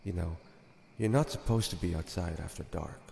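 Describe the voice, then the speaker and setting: Audio drama: male actor as gentle demon older brother, guardian type. Mellow, gravelly, soothing, drenched in reverb. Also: sits low, normal speed. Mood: fond, teasing. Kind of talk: dramatic audio roleplay acting. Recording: echoey, long reverb, faint noise.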